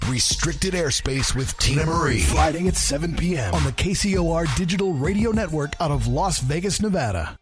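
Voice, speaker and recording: A man's voice: fairly high pitch, animated, fairly quick, over music. A man announcing a radio show promo in a dramatic scripted read.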